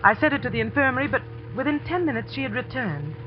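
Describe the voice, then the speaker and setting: An actress playing a spirited young female teacher who narrates her story in a 1940s radio drama, brisk and indignant. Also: high-pitched, sing-song. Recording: dull old radio broadcast with music.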